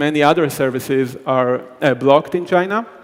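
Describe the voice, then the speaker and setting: A man talks in a fairly high pitch. His voice shows ordinary pitch variation. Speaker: software engineering manager. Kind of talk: conference talk. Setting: stage with audience. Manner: fast.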